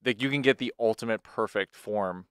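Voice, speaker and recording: Smooth-voiced man, casual podcast co-host. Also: lowish voice, moderate pace, a bit bright, dry recording, clean studio sound. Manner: loose, filler-heavy talk with frequent "like".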